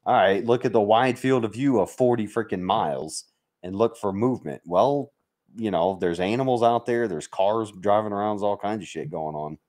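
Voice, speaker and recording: His fairly low voice has a darkish tone and a moderate pace as he banters with livestream viewers. He's an American military veteran from Mississippi, and his casual talk is blunt, sweary and joking.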